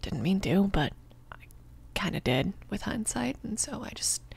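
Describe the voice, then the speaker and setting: Woman playing a gently protective mafia boss, creaky voice. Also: medium pitch, very animated, full character voice. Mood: flustered, gentle. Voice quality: soft, creaky, breathy whispering at times. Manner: hesitant, reassuring, halting. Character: protective young female mafia boss, tender, flustered, apologetic. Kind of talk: ASMR romance roleplay, often whispered.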